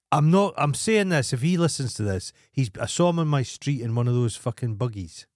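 A man's voice: mid-range voice, expressive, moderate pace, darkish tone, no echo, studio quality. A Scottish man co-hosting a podcast in casual comic banter, sweary and indignant as he rants. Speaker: podcast co-host.

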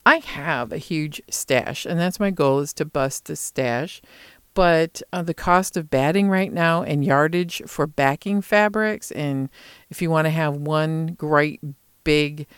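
Clear-voiced woman chatting casually, thinking aloud. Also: deep voice, slow, no room sound, clean studio sound. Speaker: craft vlogger. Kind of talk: casual chatty monologue about hobbies.

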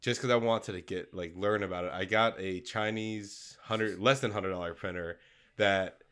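Congested male podcast co-host, lowish voice, loose rambling chat full of fillers. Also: steady tone, normal speed, a bit bright, clean tone. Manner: rambling, many fillers and restarts. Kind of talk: casual chat.

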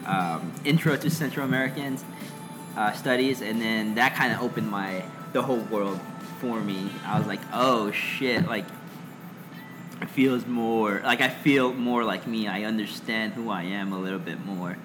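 A man's voice: on the low side, moderate pace, music in the background. Hesitant young man, casual talk. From Los Angeles. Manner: hesitant, lots of "like" and "uh". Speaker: interview guest. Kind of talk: casual interview answers.

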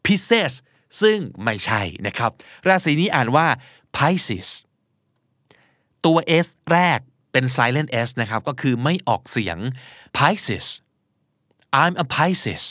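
A man's voice: mid-range voice, fairly bright tone, no room sound, studio quality. A man with a Thai accent, hosting a pronunciation lesson and spelling English words out letter by letter.

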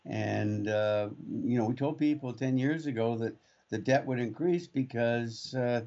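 A man's voice: medium pitch, measured pace, dark tone, muffled recording. A man co-hosting a radio talk show from a remote location, rambling with frequent restarts and fillers. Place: remote studio in Kamloops.

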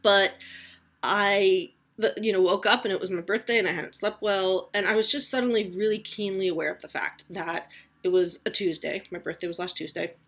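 A woman's voice: mid-range voice, steady tone, moderate pace, a bit bright. Chatty woman in her forties. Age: 40s. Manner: chatty, rambling, self-deprecating. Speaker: podcast host. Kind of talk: casual solo podcast monologue. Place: home.

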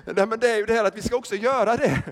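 An older man preaching a sermon as pastor, lively, joking and putting questions to the congregation. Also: high voice. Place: church hall. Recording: long reverb of a church hall.

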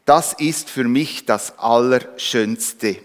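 A man's voice: medium pitch, takes it slowly, lightly acted. A man voicing a female magpie who eagerly lists the jewelry she wants, heard in a reverberant hall. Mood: greedy.

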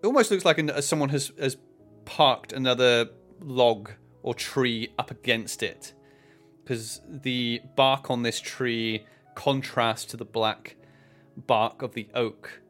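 A man working as game master, improvising descriptive narration for a tabletop game with hesitant pauses mid-phrase. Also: medium pitch, fairly bright tone, soft background music.

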